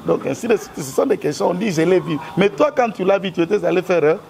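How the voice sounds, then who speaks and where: A man's voice: sits high, lively intonation, fast talker, vocal fry, a little mellow, a little hiss or hum. A man with a Congolese French accent, a guest in a political interview, speaking in an emphatic, argumentative way.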